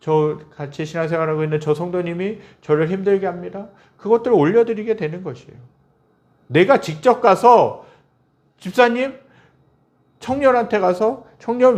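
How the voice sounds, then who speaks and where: A male pastor preaching a Sunday sermon, asking the congregation questions and acting out prayers in a lifted voice. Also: normal speed. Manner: acts out prayers and quoted speech with a lifted pitch; asks the congregation rhetorical questions.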